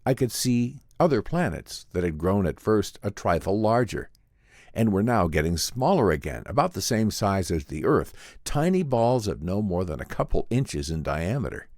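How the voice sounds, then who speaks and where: A man with a low voice narrates a classic science fiction tale in a theatrical, measured way. His pitch moves in lively swings, and the recording is close and dry. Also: no echo. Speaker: audiobook narrator. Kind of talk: dramatic scripted narration of a vintage sci-fi story.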